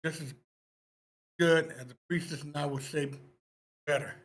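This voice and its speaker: A man's voice: on the high side, steady tone, moderate pace, fairly bright tone, natural voice. A man voicing a protective tribal parent in a fantasy screenplay table read. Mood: solemn. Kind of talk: amateur table read acting.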